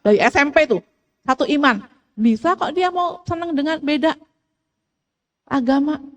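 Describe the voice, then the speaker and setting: A middle-aged woman preaching a sermon, telling family stories with lively acted-out dialogue. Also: sits high, moderate pace. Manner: animated storytelling, acts out family dialogue. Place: church hall. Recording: echoey church hall.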